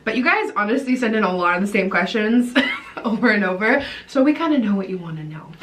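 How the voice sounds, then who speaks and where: A woman's voice: medium pitch, lively intonation, quick pace, a bit bright, a little hiss or hum. A young woman vlogger in casual chat with her boyfriend, playful and teasing, telling stories with acted-out quotes.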